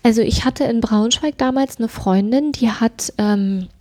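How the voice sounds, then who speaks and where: A woman's voice: on the high side, measured pace, mellow, dry recording. A middle-aged woman in a casual discussion, speaking emphatically, repeating phrases and asking rhetorical questions. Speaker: podcast co-host.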